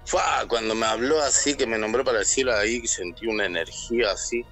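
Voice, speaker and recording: Argentine male caller, animated storyteller, mid pitch, faint music under. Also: fairly quick. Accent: Argentine Spanish. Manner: animated storyteller, acts out quoted voices. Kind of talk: telling a personal story on air.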